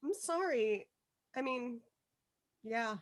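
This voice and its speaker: A woman reading the part of an awkward, anxious but stubborn young teenage schoolgirl in a screenplay table read, halting and apologetic. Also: a little high, animated. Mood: nervous, meek.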